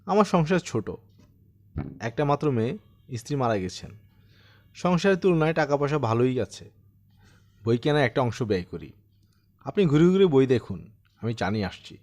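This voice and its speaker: A man acts out a courteous old widower from a short story audiobook. He is bookish, talkative and gently insistent, telling things conversationally with a lively, varied pitch. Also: moderate pace, pauses often, natural voice. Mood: eager, courteous.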